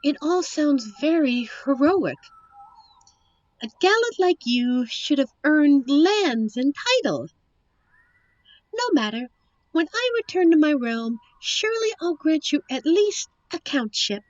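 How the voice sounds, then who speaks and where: A woman playing a captive young princess in a roleplay audio drama, witty and wistful, with genteel, formal storybook phrasing and thoughtful pauses. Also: high-pitched, very animated, no room sound, highs cut off, full character voice. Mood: polite, curious. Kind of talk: roleplay audio drama, one side of a dialogue.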